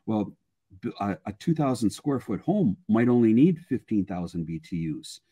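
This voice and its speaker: A man's voice: on the low side, sing-song, moderate pace, warm tone, breathy edge. An older man speaking as a guest expert, explaining technical matters informally on a webinar video call. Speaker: guest expert, structural engineer and sales manager.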